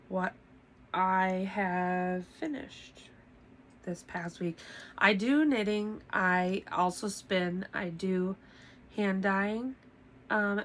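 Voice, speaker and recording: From her craft room at home, an American podcast host with a stuffy, slightly nasal voice talks casually to the camera, frequently laughing and saying um. Her pitch is medium and a bit bright, with a little hiss or hum in the recording.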